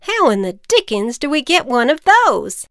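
A woman's voice: high voice, sing-song, normal speed, a bit bright, no room sound, clean studio sound, pitched above the performer's own voice, exaggerated voice. A woman voicing a kindly, folksy farmer and father in a children's storybook. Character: kindly country farmer man, worried father.

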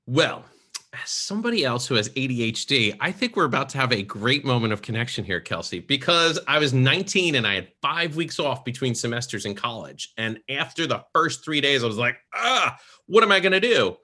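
Middle-aged man, bright forceful tone, animated storyteller, podcast guest. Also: medium pitch, a little fast. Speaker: guest, professional Santa performer.

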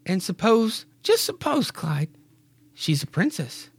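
A man voicing a young farm wife, in a high put-on voice that slides into a southern drawl. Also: wildly swooping pitch, slow pace, husky, exaggerated voice. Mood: teasing.

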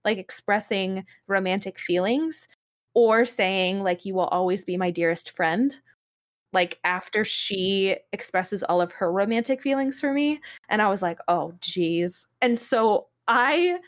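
A young woman chatting casually on a podcast in an animated, rambling way, full of "like" and exasperated storytelling. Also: mid-range voice, a little slow. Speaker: podcast co-host. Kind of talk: casual chat about games and anime.

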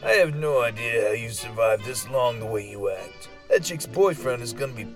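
A man's voice: mid-range voice, lively intonation, moderate pace, faint music behind, close to an everyday voice. A man playing an exasperated, cautious friend in an audio drama, wearily scolding with casual swearing. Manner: weary, nagging, casual swearing. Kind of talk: audio fiction acting.

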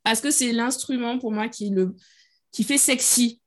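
A woman's voice: fairly high pitch, unhurried. A woman hosting a podcast, enthusiastic and chatty about the songs she loves. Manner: enthusiastic, animated, self-described fangirl. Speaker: podcast host. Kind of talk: casual chat.

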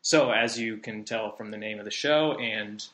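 A man's voice: fairly low pitch, moderate pace, fairly bright tone, echoey room. A man of about thirty from Southern California, hosting a podcast in a chatty, rambling monologue with many fillers. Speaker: podcast host. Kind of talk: casual monologue.

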